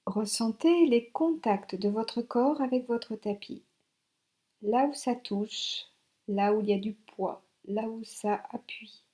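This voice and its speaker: Female meditation guide, fairly high register, warm relaxed timbre, short spaced-out instructions. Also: slow pace. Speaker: yoga nidra instructor.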